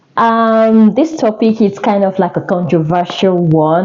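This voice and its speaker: A woman speaks over noticeable background noise. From Nigeria. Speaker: YouTuber. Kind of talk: vlog talk to camera.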